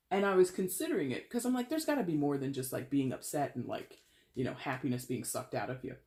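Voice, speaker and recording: A woman with a fairly deep voice giving a casual, animated tarot reading, often trailing off mid-phrase. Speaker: tarot reader.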